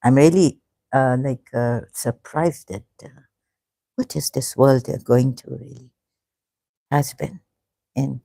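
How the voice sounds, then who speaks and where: A speaker talks alone on a livestream, halting and emotional, often breaking off mid-phrase. The voice is gravelly and mellow in tone, and the recording is dry and close. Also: mid-range voice, dry recording. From Pakistan, grew up in Karachi. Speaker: online religion commentator. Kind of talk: rambling solo livestream talk.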